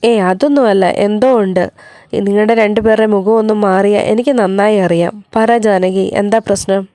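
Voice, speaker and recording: A woman's voice: medium pitch, fairly even intonation, moderate pace, mellow, no room sound, clean studio sound, lightly acted. A woman voicing a stern, protective old grandmother who talks firmly and scolds. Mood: probing. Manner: firm, scolding.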